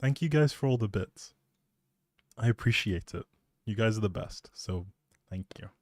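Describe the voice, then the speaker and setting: A man's voice: lowish voice, expressive, moderate pace, a little mellow, dry recording, clean studio sound. A man live streaming, chatting casually in an appreciative, rambling way and thinking aloud as he goes.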